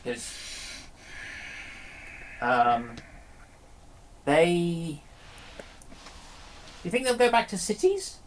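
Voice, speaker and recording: A man's voice: a little high, very animated, very slow, long pauses, slight background noise, low-quality recording. A man speaking as a panelist in a casual, unscripted discussion.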